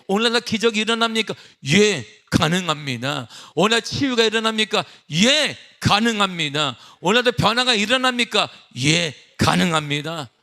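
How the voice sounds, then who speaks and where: A middle-aged man preaching a sermon as pastor, emphatic with call-and-response questions, then easing into a relaxed personal story. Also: high-pitched, normal speed, creaky, few pauses. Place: church sanctuary.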